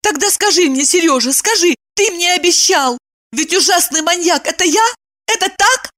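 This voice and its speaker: A sharp-tongued, bossy young woman, as a woman reader puts her on, pitched up far above the narration and swooping widely. She sounds sarcastic and commanding, throwing out exclamations. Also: lively intonation, moderate pace, heavily acted.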